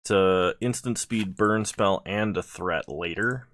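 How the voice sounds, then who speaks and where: A man's voice: low-pitched, measured pace, a bit bright. A sleepy man giving casual gameplay commentary, thinking aloud as he weighs each choice. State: sleepy, yawning. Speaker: video creator drafting cards.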